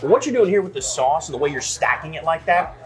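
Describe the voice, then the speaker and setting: A man hosts a casual tasting segment inside a diner, gushing over the dishes and joking around. His speech swings widely in pitch as he talks, sometimes through a mouthful of food. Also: sing-song, quick pace. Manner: enthusiastic, jokey, talks while eating. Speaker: food show host.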